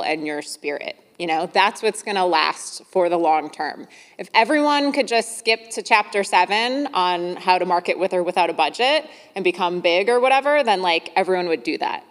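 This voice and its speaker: A woman's voice: on the low side, fairly bright tone. A woman with a Midwestern American accent hosting a podcast, talking in an enthusiastic, chatty way with fillers. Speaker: podcast host. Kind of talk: podcast intro monologue. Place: arts centre venue. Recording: long hall reverb.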